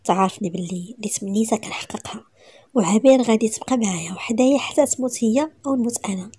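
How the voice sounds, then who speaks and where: Whispered role-play: woman playing a cold scheming husband, Moroccan accent, husky, fast. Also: warm tone, dry recording. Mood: menacing whisper. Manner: low whispering menace.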